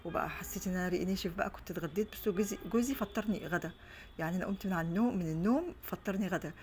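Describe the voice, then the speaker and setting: A woman's voice: lowish voice, very fast, darkish tone, a little hiss or hum. A middle-aged Egyptian woman and mother chatting casually through a home vlog, rambling with many restarts, recorded on a phone on a stand. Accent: Egyptian Arabic. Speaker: vlogger and mother. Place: her home, indoors.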